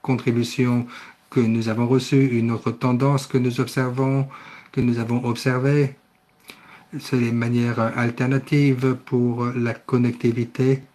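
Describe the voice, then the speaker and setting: A man interpreting a conference session live, speaking haltingly and often correcting himself. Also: medium pitch, little pitch movement, darkish tone. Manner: halting delivery with self-corrections. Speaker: simultaneous interpreter.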